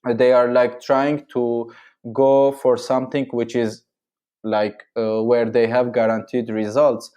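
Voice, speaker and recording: A man's voice: medium pitch, flat delivery, unhurried, warm tone, clean tone. A man from Syria speaking non-native English, answering in a podcast interview with many fillers and restarts. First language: Armenian and Arabic. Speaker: marketing agency owner, guest.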